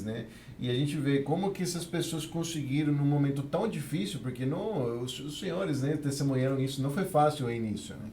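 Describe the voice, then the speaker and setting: A man's voice: medium pitch, dark tone, echoey room, a little hiss or hum. A man from Venezuela, speaking as an interview guest about immigrant life, earnest and tagging nearly every phrase with a questioning "né". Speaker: guest, immigrant community worker. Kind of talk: podcast interview, telling his experience.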